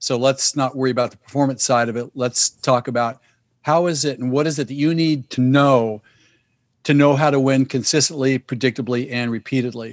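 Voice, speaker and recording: A man's ordinary speaking voice with an American accent, medium in pitch and fairly quick, with fairly even intonation, on a very clean recording with a silent background and a dry, close sound with no echo. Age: 60s. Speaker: performance coach, former Olympic cyclist. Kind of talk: interview.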